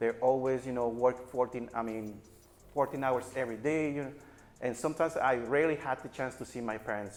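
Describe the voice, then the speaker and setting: A man with a Mexican accent at a medium pitch, at a fairly quick pace, with music in the background. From Mexico, grew up near Laredo border. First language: Spanish. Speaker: visual artist, printmaker. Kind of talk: artist talk to audience. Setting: exhibition with live audience. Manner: casual, filler-heavy, addresses audience as guys.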